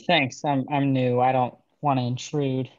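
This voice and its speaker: A man's voice: mid-range voice, little pitch movement, measured pace, close to an everyday voice. Male actor as hesitant new miner, polite, reserved, table-read drama, dull lo-fi sound. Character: hesitant newcomer miner, polite but firmly anti-communist.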